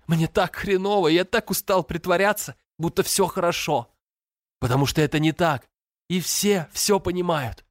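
A man's voice: mid-range voice, dry recording, clean studio sound, voice pushed up, natural voice. A man voicing a despairing teenage boy who talks through tears in a cracking voice. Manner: broken, tearful pleading.

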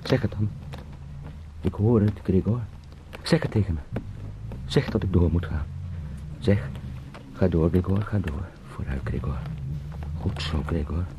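An actor in a radio drama playing an anxious travelling salesman turned beetle, pleading and eager to please in halting, formally polite speech. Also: sits low, animated, heavily acted. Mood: straining, urging. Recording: clearly noisy radio play sound.

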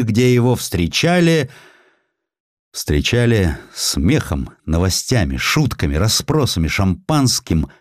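A man reading a literary story as a dramatic audiobook narrator, deliberate and measured, with weighty pauses. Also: sits low, a little mellow, dry recording, studio quality. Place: studio.

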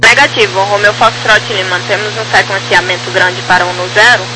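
Brazilian air traffic controller, formal procedural phrasing, digit-by-digit numbers, mid-pitched voice, humming noisy radio transmission. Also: fairly even intonation, fairly quick. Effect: aviation radio. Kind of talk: clipped procedural radio commentary.

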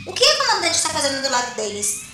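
A woman playing an excitable, loyal little-sister soldier in an audio drama, emotional and animated. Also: high-pitched, quick pace, distant mic, heavily acted. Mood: alarmed. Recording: echoey, off mic, faint noise.

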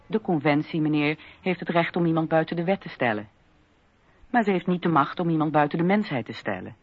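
A woman's voice: low-pitched, brisk, breathy edge. Slightly dull in sound, a resolute landlady protecting someone. She speaks firmly and formally, as in radio-play dialogue. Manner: firm, formal. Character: resolute landlady sheltering a fugitive.

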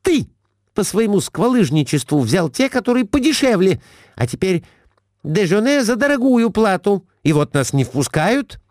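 A shrill, bossy middle-aged wife nags in a high, swooping voice, as a male reader puts her on. She peppers her scolding with broken French, and the sound is dry and close, like a storybook recording. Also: sing-song, moderate pace, a little mellow, dry recording.

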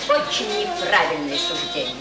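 An actress playing a prim, opinionated banquet guest in a radio play, speaking insistently. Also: female voice, deep voice, animated, moderate pace. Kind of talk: Soviet radio play acting. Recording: echoey room, loud music behind.

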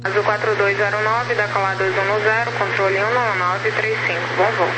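A man's voice: sits high, flat delivery, moderate pace. A Brazilian man working as an air traffic controller, giving formal clipped instructions over the radio and reciting numbers digit by digit. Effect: radio transmission.

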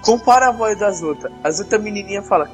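A man's voice: sits high, animated, quick pace, soft background music. A man with a Brazilian accent co-hosting a casual film podcast, teasing and cracking jokes. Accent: Brazilian Portuguese. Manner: teasing, wisecracking. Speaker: podcast co-host.

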